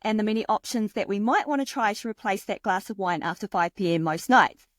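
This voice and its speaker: A woman's voice: medium pitch, lively intonation, fairly quick, dry recording. A middle-aged woman, hosting a podcast interview in a chatty, encouraging way. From New Zealand. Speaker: podcast host.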